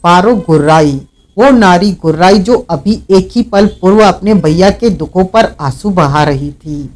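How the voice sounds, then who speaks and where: A male audiobook narrator reading a dramatic novel in a measured, storytelling way. His voice sits high for a man and he takes his time over every phrase. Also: darkish tone, low-quality recording.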